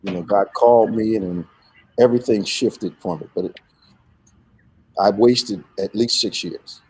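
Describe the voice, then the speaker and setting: An older man speaks in a fairly low, husky voice. He reflects on life in a conversational storytelling style, measured and emphatic, like a bishop among his congregation. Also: rough recording. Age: middle-aged or older. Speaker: bishop, guest.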